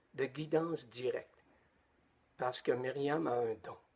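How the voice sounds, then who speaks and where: In a Quebec accent, a man speaks at a very slow pace. His fairly high, somewhat breathy voice has a dark, mellow tone. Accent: Québécois French. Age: 60s. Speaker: testimonial giver. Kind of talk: testimony, reading a written tribute. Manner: halting.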